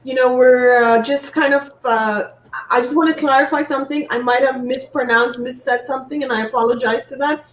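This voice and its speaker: A non-native woman with a high voice casually hosts a live show in an encouraging way. She sounds distant from the microphone, in a very echoey room. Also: fairly even intonation, a little fast. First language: not English. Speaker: talk show host.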